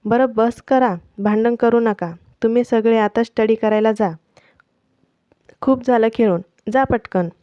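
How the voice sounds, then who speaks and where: Brief: playful young wife, read by a woman narrator, mellow and low-key, lo-fi dry sound. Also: fairly even intonation, unhurried, clear, resonant tone, no echo, lightly acted. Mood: scolding. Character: young wife, teasing and affectionate. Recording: dull, dry lo-fi recording.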